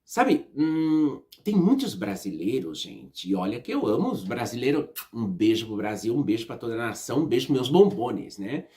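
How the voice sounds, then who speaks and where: A woman's voice: very deep voice, sing-song, moderate pace, few pauses, dark tone. A Brazilian woman with a Brazilian Portuguese accent, talking straight to her viewers in a casual opinion vlog, emphatic and repeating herself, often tagging "né?" and "tá?". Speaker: vlogger.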